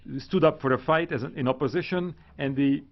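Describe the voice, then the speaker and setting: Man, defensive. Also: a little high. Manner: defensive, insistent, slightly halting. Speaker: Hungarian government representative. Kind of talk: parliamentary debate reply. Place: parliament chamber. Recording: muffled, dull sound.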